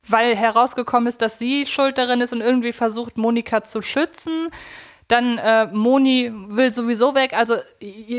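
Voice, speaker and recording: A woman co-hosting a podcast, talking in a conversational, thoughtful way and often searching for her words. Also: fairly high pitch. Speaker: podcast co-host.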